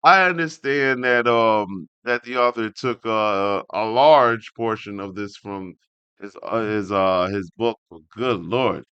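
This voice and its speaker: A man with a fairly low, forceful voice hosts a read-along. He reads written text aloud and steps out of it for casual, animated commentary. The sound is dry, with no room around the voice. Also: slow pace, clean tone, no room sound, muffled recording. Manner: animated asides, breaks off reading to react and chuckle. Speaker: host reading an article aloud with commentary.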